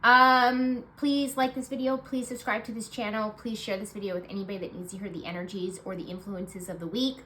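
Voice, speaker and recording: A woman's voice: mid-range voice, steady tone, a little fast, few pauses, bright, forceful tone, slight background noise, poor audio. A woman with a nasal, stuffed-up voice giving a casual monthly tarot reading, chatty and reassuring with lots of fillers. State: congested, nasal voice. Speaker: tarot card reader.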